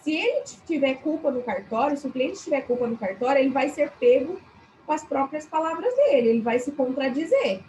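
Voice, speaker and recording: A woman's voice: sits high, big pitch swings, a little fast, warm tone, a little hiss or hum, rough recording. A woman teacher with a Brazilian Portuguese accent giving a chatty classroom lecture on customer service, often turning to the class and acting out short examples. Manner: chatty, addresses class as "gente", acts out examples.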